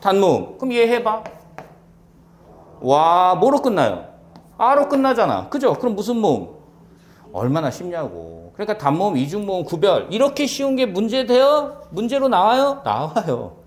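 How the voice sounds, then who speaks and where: A man's voice: high voice, wildly swooping pitch, normal speed. A male lecturer teaching exam prep, firing rhetorical questions and answering them himself, repeating key points for emphasis. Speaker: civil service exam Korean lecturer.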